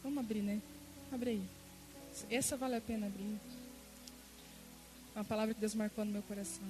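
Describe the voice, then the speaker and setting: A woman's voice: mid-range voice, fairly even intonation, a little fast, over music, low-quality recording. A woman pastor from Brazil preaching a sermon in church, emotive, repeating words for emphasis and acting out her own prayers. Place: church service.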